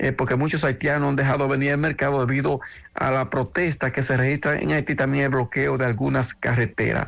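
This man talks at a moderate pace. Vocal fry runs through his voice. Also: very clean recording, silent background. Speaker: border correspondent. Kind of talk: news report.

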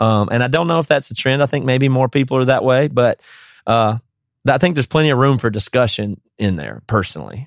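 With an American accent and a normal speaking voice, a man talks at a fairly quick pace with ordinary pitch variation, the sound dry and close with no echo on a very clean recording with a silent background. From South Carolina, rural US South. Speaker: musician and podcast co-host. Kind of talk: casual interview.

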